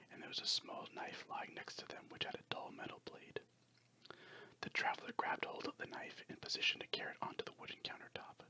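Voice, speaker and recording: Someone narrating a story in a breathy, unvoiced ASMR whisper, hushed and scripted. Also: low-quality recording.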